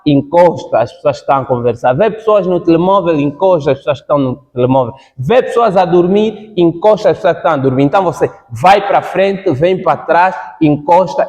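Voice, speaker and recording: A man's voice: on the high side, darkish tone, big-room sound. A man coaching a student on public speaking, repeating key points for emphasis and checking in with the listener as he goes. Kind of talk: spoken critique in a class.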